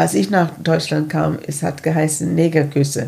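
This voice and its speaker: A woman with an English accent speaks in a somewhat breathy voice at a fairly low pitch. Her pace is fairly slow. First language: English (speaking German). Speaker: opera singer and gospel choir leader. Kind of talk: interview. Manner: halting, many fillers.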